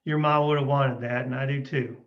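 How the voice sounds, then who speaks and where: A man's voice: mid-range voice, fairly even intonation, natural voice. Man playing a folksy young miner dad, muffled. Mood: proud, encouraging. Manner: folksy rural dialect, unhurried. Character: tender, doting mid-twenties coal miner father. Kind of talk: script table read.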